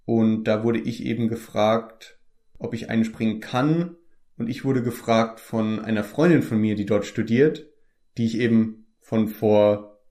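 An easygoing young man from the Palatinate talking about his acting work in a relaxed interview. His voice sits a little low. He hesitates often, restarting sentences and filling pauses. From Germany, Palatinate. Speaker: actor. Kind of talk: casual interview chat.

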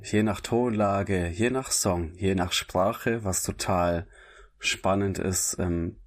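Raspy low-voiced man, chatty and rambling. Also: slow pace. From grew up bilingual German-Italian. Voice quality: raspy, smoky voice. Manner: rambling, self-correcting, laughs often. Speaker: singer, interview guest. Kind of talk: relaxed conversational interview.

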